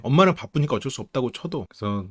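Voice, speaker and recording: Animated man commenting on a reality show. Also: mid-range voice, fast talker. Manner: animated, acts out quoted lines of family members. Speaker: counseling psychology YouTuber. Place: home studio, live stream.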